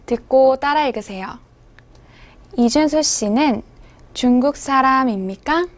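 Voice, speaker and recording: A woman language teacher giving scripted instructional narration, with clear, measured enunciation. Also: high-pitched.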